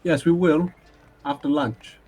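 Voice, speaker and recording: A man's voice: on the high side, steady tone, measured pace, warm tone, lo-fi sound. A man playing a tabletop game in character as a theatrical bard who grandly recites verse. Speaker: player. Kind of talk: in-character tabletop role-play.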